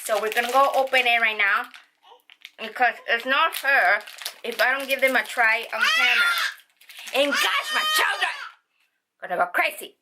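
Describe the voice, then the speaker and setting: A woman reviewing products in a chatty vlog, with excited exclamations. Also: on the high side, normal speed, heavy background noise. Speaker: unboxing vlogger.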